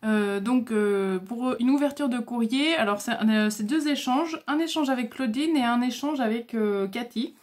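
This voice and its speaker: A woman's voice: fairly high pitch, moderate pace, hardly any pauses, darkish tone. A woman vlogger casually showing crafts she received by mail, talking hesitantly with many fillers and stumbling over her words.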